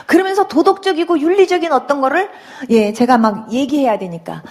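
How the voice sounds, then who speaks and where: A woman giving an emotional religious testimony, telling her story with animated storytelling and acting out her own past words. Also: high voice, brisk. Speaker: church testimony speaker.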